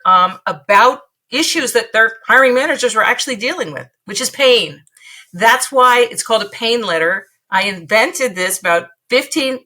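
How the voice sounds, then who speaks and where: A woman's voice: a little high, sharp tone. A woman guest on an interview podcast giving career advice in an emphatic, punchy way, repeating points for effect.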